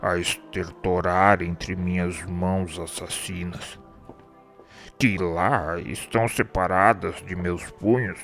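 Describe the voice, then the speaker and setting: Radio drama lead: male actor as remorse-haunted murderer, anguished and declamatory, low register, very measured delivery. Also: steady tone, creaky, a bit bright, soft background music, full character voice. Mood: haunted, troubled. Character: tormented, remorseful man haunted by his murder. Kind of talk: radio drama acting, formal literary speech.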